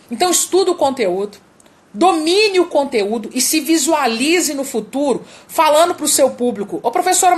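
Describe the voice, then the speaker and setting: Female speaking coach, Brazilian accent, high voice, emphatic and repetitive for stress. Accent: Brazilian Portuguese. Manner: emphatic, repeats key words, demonstrates vocal exercises. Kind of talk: live-streamed speaking lesson.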